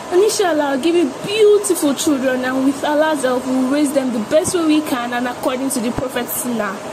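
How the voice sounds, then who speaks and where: A soft-spoken woman with a high voice talks at a fairly quick pace with hardly any pauses over noticeable background noise. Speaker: spoken word poet. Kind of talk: spoken word poetry, an intimate devotional letter to an imagined future husband. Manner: earnest and yearning, pleading rhetorical questions building to prayerful promises; tender and devout, softly invoking Allah in a romantic vow. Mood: emotional, tender, near tears. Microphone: phone near.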